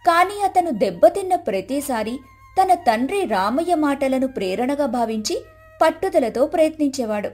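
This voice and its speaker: Female storyteller, high voice, scripted moral-tale narration over music. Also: warm tone.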